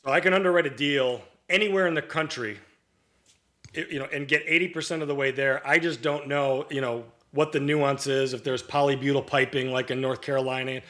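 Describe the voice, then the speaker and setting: A man's voice: medium pitch, steady tone, a little fast, fairly bright tone. A man as a podcast guest, a real estate broker, giving a long-winded answer full of stories and restarts. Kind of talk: casual podcast interview.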